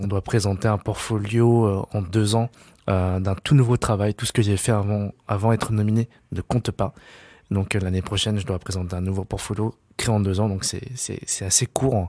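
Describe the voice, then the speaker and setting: Against a quiet background, a man with a dark, mellow tone speaks at a fairly low pitch and moderate pace, with fairly even intonation and a dry sound with no echo. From Paris suburbs, Seine-Saint-Denis (Aulnay-sous-Bois); Paris. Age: 20s. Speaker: photographer; interview guest. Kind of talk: interview. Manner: hesitant, many filler sounds. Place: office.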